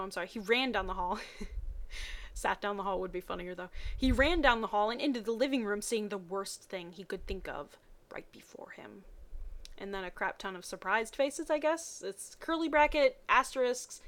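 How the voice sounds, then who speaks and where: A woman's voice: mid-range voice, moderate pace, fairly bright tone. A woman reading a story aloud dramatically, breaking off for playful, mocking asides. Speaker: reader of fan fiction.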